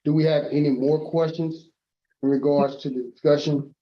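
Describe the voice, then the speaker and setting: A man's voice: fairly high pitch, level tone, normal speed, lo-fi sound. A man chairing a council meeting over a video call, speaking in a conversational, procedural way with some restarts.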